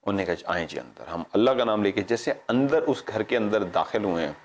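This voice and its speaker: This middle-aged man from Pakistan narrates casually as a paranormal show host, talking fairly quickly in a fairly low voice over slight background noise. His lively storytelling includes acted-out dialogue, tangents, and self-corrections.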